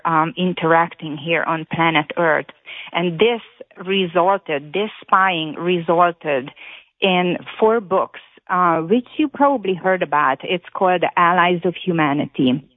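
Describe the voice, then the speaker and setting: A woman with a Hungarian accent tells her story to a radio host over the phone. Her voice comes through thin and phone-like, slightly lower than usual, and dry. She talks earnestly, stopping often with "um" and "uh". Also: dry recording. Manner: earnest, halting with many fillers. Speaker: caller. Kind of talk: call-in radio talk. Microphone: telephone. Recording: tinny phone line.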